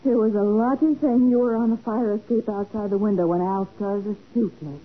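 An actress playing a girlish, expressive detective's assistant in a 1940s radio crime drama. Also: mid-range voice, fairly quick, close to an everyday voice. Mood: curious, excited. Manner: wide-eyed, expressive. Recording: tinny 1940s radio recording.

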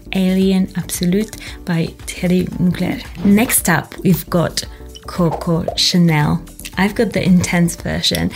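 A woman's voice: on the low side, creaky, a little mellow. A woman hosting her fragrance channel, giving a casual product review and chatting away, often repeating words for emphasis.

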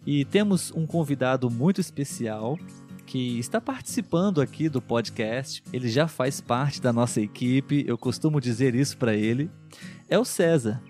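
A man hosting a language-learning podcast, speaking in a clear, measured, encouraging way and often checking in with his guest. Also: medium pitch, darkish tone. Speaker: podcast host.

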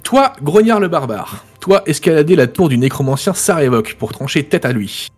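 A man's voice: fairly high pitch, sing-song, normal speed, slightly rough, soft background music. A man doing a dim brutish barbarian. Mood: boastful. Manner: broken caveman grammar, loud proclaiming. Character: brutish male barbarian warrior, dim and boastful.

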